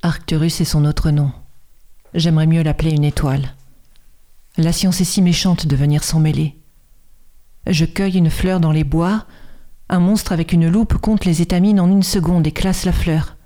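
An actress reading a poem aloud as a wistful female narrator, with a measured, expressive delivery. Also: deep voice, natural voice. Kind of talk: poetry reading.

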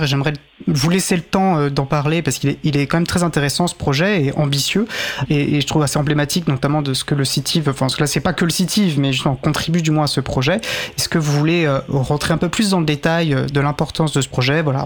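A man hosting a radio interview, stumbling over quick restarts. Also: on the high side. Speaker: radio host.

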